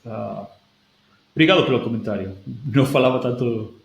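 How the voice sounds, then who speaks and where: Casting: male host with a gravelly voice and a non-native Portuguese accent, thinks aloud with restarts, recorded in an echoey room. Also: mid-range voice, normal speed. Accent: non-native speaker of Portuguese, European Portuguese leaning. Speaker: language-learning video host. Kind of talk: casual talk, reading out and answering a viewer comment. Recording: echoey room with faint background noise.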